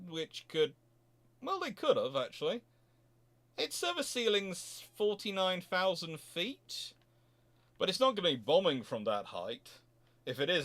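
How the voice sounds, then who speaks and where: A man's voice: high voice, a bit bright. A man hosting an off-the-cuff explanatory talk, emphatic and digressive, often correcting himself as he goes. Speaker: host answering audience questions.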